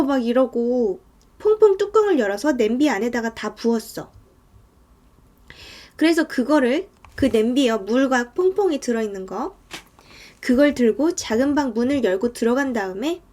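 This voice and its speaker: Woman, horror story narrator, dramatic, high-pitched, very lively intonation, occasional hushed tones.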